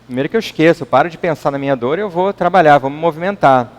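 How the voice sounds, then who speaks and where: A man's voice: on the high side, very fast. Man giving a conversational talk, Brazilian accent. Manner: conversational, keeps adding questioning tags. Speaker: lecturer at a spiritist center. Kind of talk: informal public talk. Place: meeting hall. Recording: long reverb in a hall.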